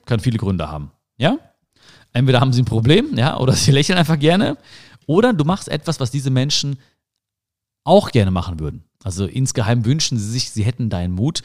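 Earnest German man, emphatic motivational talk. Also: a little fast. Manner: earnest, emphatic, lively swings in pitch. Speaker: podcast host.

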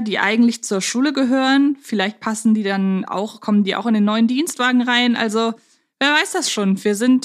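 Female podcast co-host, mid-pitched, casual, reasoning delivery with dry humour.

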